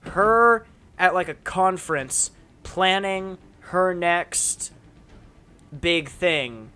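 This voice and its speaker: Animated young man, bright voice. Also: sits high, extremely slow, clear, resonant tone, faint music behind. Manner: rambling, animated, frequent restarts and fillers. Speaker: channel host. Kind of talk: casual chat.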